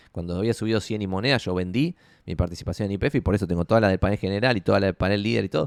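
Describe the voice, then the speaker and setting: Very deep and low in pitch, a man's voice moves with ordinary pitch variation at a very fast pace. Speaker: investment streamer. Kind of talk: livestream talk. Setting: livestream.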